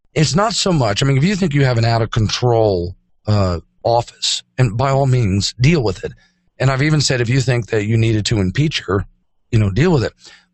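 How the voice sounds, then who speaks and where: The speaker's voice is somewhat breathy, with lively intonation, a fairly quick pace and very even loudness. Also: man, medium pitch for a man. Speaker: radio talk show host. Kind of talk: talk radio with caller.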